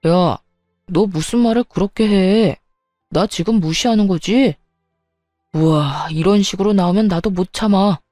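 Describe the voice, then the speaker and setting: A woman's voice: medium pitch, measured pace, warm tone, no echo, clean studio sound, faint music behind, close to an everyday voice. A woman voicing a petty, scheming young husband who talks in a blunt, dismissive way. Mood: cold dismissive.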